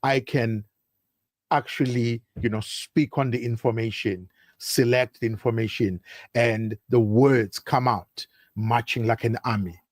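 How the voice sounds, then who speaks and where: A man's voice: mid-range voice, fairly even intonation, measured pace, no room sound, clean studio sound. A man from South Africa, a guest on a talk show, speaking at length in an expansive, speechifying way. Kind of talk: talk-radio interview.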